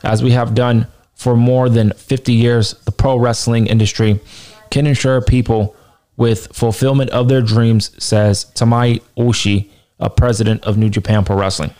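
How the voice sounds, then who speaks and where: A man with a hoarse, tired voice reads a wrestling announcement aloud, then gives his opinion with emphatic repetition. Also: mid-range voice, level tone, normal speed, mellow. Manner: emphatic, repeats points for stress. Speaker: wrestling news commentator.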